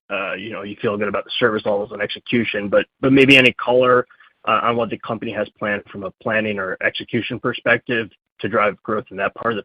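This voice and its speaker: Husky lowish guy analyst asking on an earnings call, dry muffled line. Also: no room sound. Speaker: financial analyst asking questions. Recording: dull, dry phone line.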